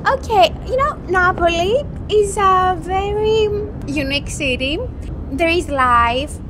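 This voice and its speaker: A Greek medical student in her 20s answers interview questions in a high, light, animated voice. She's thoughtful and unhurried, occasionally restarting a phrase, with a faint outdoor hum behind her.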